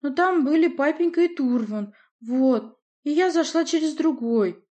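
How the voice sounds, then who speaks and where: A woman voicing an impulsive, haughty young lioness princess who talks high and emotional. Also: expressive, measured pace, darkish tone. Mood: earnest.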